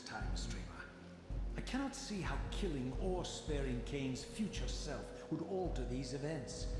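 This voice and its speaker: Game antihero, male actor: undead wraith, sardonic and defiant, deliberate theatrical diction, echoey, loud score behind. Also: medium pitch, lightly acted. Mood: coolly argumentative. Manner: disdainful, deliberate, eloquent theatrical delivery. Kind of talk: scripted dramatic video game acting. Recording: echoing room under loud music.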